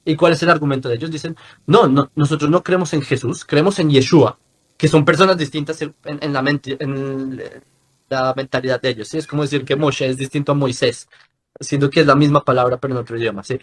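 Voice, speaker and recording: A man's voice: fairly high pitch, steady tone, a little fast. A man explaining a religious movement in a lecturing way, sometimes stalling on fillers. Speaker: religious commentator. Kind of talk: explanatory talk.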